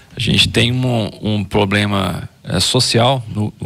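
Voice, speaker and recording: A man with a fairly low pitch speaks in a monotone, flat intonation. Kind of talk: interview answer. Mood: serious, formal. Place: studio. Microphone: studio mic.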